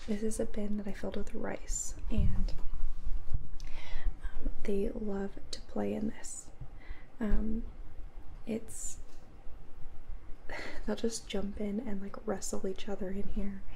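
Soft-spoken delivery with long, frequent pauses comes over light background noise. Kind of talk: casual vlog chat. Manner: soft-spoken ASMR murmur. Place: home room. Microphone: phone near.

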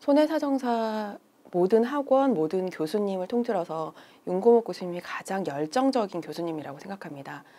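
A woman's dark, mellow voice at a moderate pace, with very wide pitch swings and big shifts in loudness. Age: 40s. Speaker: insurance professional; candidate. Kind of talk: testimonial interview. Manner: frequent filler words, slightly halting. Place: studio. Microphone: lapel.

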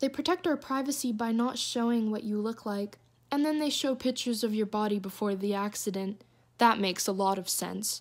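A plain, everyday voice from a woman, fairly high in pitch with ordinary pitch variation, at a fairly quick pace on a very clean recording with a silent background. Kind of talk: audiobook reading of a young adult novel. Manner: measured, even-paced narration with softly voiced dialogue.

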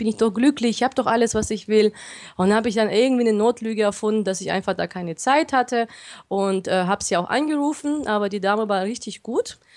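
A woman at a very fast pace, fairly high in pitch with ordinary variation. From Swabia, southwestern Germany. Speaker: network marketing executive. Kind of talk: interview.

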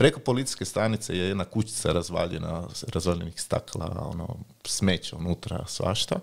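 Speaking fairly quickly with lively intonation against a quiet background, a man has an ordinary speaking voice. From Croatia, Istria (Umag); Croatia. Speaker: travel writer and long-distance walker; podcast guest. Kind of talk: interview. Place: studio. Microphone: studio mic.

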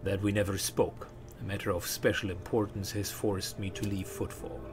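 Clear music plays in the background behind a rumbling, put-on character voice. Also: man. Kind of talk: formal, grave.

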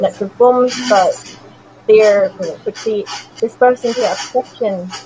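A woman takes a fairly slow pace, and noticeable background noise comes through. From South Korea. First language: Korean. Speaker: abstract painter; panelist. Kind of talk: panel discussion. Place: home room. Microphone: video call.

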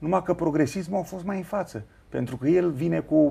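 Lively in intonation and with vocal fry, a man speaks at a moderate pace. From Romania, Ialomița county, rural village; Romania. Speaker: folk singer, theology graduate; interviewee. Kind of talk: interview. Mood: candid, reflective storytelling. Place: studio.

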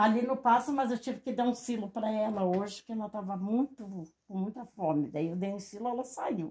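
A woman talks at a fairly quick pace and fairly high pitch, somewhat breathy and dark, mellow in tone, with ordinary pitch variation. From Santa Catarina highlands, Brazil. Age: 80s+. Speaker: rural farm woman. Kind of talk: casual interview. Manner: halting.

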